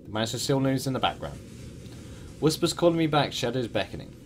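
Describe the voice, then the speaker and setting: A man reading a visual novel aloud as the streamer, expressive, with his own asides. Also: medium pitch, a little fast, a little hiss or hum. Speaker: game streamer.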